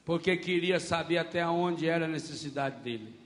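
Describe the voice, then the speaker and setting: A man with a Brazilian Portuguese accent, preaching a Catholic sermon animatedly and acting out scenes with shouts. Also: on the high side, moderate pace, big-room sound. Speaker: Catholic priest.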